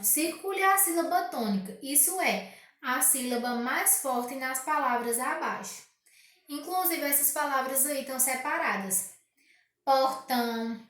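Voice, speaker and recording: A woman teaching a recorded grammar lesson, reading exercises aloud, drawing out key words slowly and asking the class rhetorical questions. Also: sits high, a bit bright, far from the mic. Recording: very echoey room.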